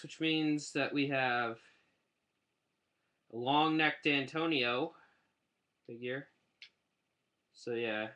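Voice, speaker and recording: A man's voice: medium pitch, bright, forceful tone. A man chatting casually in a rambling, self-deprecating way while reviewing a toy on his webcam at home. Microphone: webcam mic.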